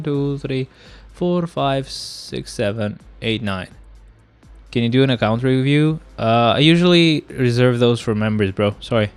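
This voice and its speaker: A man's voice: mid-range voice, no echo. A young man with a stuffy nose from a cold, chatting casually to his live-stream viewers and getting exasperated with the game. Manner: chatty, easily exasperated, talks to chat.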